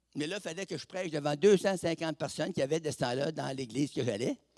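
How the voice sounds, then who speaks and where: Heard in dry, close sound with no echo, a man with a Quebec accent speaks in a fairly high voice with lively intonation. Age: 80s+. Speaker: evangelist preacher. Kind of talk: sermon to a church congregation. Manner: folksy, humorous.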